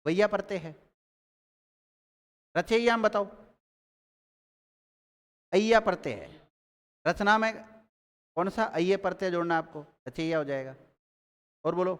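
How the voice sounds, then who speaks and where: A man's voice: high-pitched, measured pace, pauses often, clean tone, long reverb tail. A man teaching a grammar class, quizzing his students and repeating key words as they take notes.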